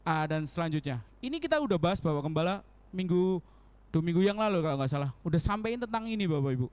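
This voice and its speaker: A young man preaching a casual sermon in a church, animated, acting out prayers in quoted voices and laughing often. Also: a little high, fast, clean tone, dry recording. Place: church hall.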